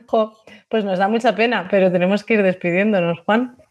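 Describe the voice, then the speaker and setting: Brief: female host, mid-pitched, cheerful, laughs easily. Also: moderate pace, darkish tone, lo-fi sound. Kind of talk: casual chat.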